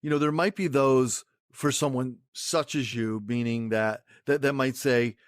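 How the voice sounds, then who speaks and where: A man's voice: mid-range voice, fairly even intonation, a little slow, no echo, clean studio sound. A man hosting a casual interview, asking long rambling questions full of restarts. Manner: rambling, hesitant with many restarts. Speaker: podcast host.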